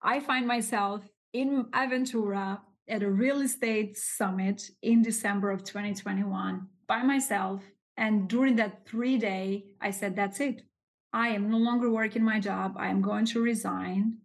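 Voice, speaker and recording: A woman's voice: medium pitch, measured pace. Woman telling her story. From Albania. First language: Albanian. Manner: expressive, animated storyteller. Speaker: guest, real estate capital raiser. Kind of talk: casual interview storytelling.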